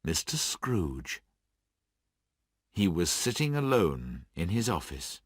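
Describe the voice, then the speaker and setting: A man's voice: low-pitched, sing-song, slow, breathy edge, no room sound, clean studio sound, heavily acted. A man voicing a friendly middle-aged husband in plain conversation.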